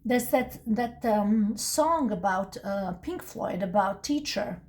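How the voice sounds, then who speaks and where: A woman's voice: medium pitch, expressive, slow, a little mellow. A woman with a non-native English accent giving a casual, rambling tarot reading, full of restarts and asides. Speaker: tarot reader.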